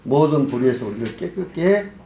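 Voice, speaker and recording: A man's voice: expressive, a little fast, creaky, slight background noise. A male pastor preaching a sermon, asking the congregation questions and answering them himself. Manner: acts out scenes with a softer low voice. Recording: echoey hall.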